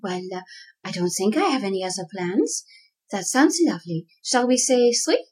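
A woman's voice: medium pitch, expressive, normal speed, a little mellow, breathy edge. A woman playing a flustered young Frenchwoman. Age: 20s. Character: young French woman heading aircraft firm. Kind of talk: audio drama acting.

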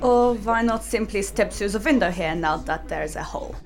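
A woman's voice: mid-range voice, normal speed, a crowd in the background, close to an everyday voice. A woman playing a haughty, menacing female spy, in an audio drama. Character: scheming female German spy posing as journalist.

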